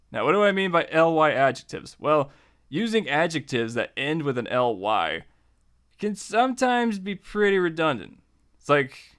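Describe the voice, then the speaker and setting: A man's voice: medium pitch, fairly bright tone. An American man giving a casual tutorial, speaking in a jokey, conversational way straight to the listener. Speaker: host of a writing tutorial series.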